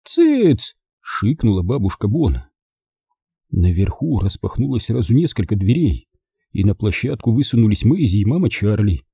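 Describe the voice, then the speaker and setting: A man narrating an audiobook with a lively, rising and falling delivery. His voice is very dark and husky, and the recording is close and dry. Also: on the low side, moderate pace, no echo. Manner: expressive, lively storytelling. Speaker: audiobook reader.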